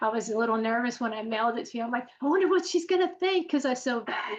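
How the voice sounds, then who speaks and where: Over noticeable background noise, a woman talks at a very fast pace with hardly any pauses. Her high voice has lively intonation. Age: 60s. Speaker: author and spiritual healer. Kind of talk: podcast interview.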